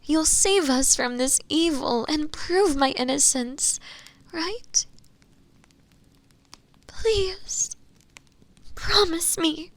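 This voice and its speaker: An imprisoned witch as a woman acts her out in a fantasy audio roleplay, speaking in a hushed, breathy voice with a gravelly creak. She draws her words out slowly and deliberately at a medium pitch. Her pleading innocence carries a sly, seductive undertone. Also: fairly even intonation, heavily acted, poor audio. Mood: tearful, desperate pleading. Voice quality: breathy, whispery. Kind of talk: dramatic roleplay audio acting.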